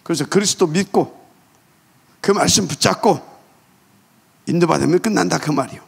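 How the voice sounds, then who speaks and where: A man preaches a sermon as a pastor, emphatic and full of rhetorical questions, letting the ends of phrases trail off quietly. His voice is a little high and slightly rough, with vocal fry and a moderate pace.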